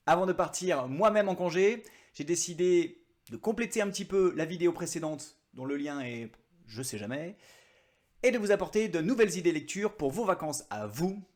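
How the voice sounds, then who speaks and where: Guy doing a casual book vlog, a bit high voiced, chatty, cracks jokes at himself. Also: animated, normal speed. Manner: chatty, self-mocking asides. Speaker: book vlogger.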